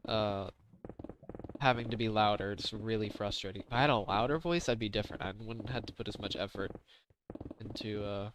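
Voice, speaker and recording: A quiet, soft-spoken man rambling casually on a game stream in a hesitant, low-effort, self-deprecating way. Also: brisk, noisy background. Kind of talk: casual rambling livestream chat. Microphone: close gaming mic with high gain. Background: music.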